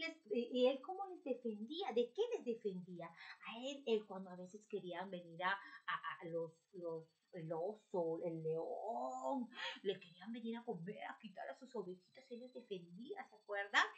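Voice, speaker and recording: A woman's voice: on the high side, fairly bright tone. A woman preschool teacher telling a story to young children and giving them homework, with a sing-song manner and coaxing questions. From Peru.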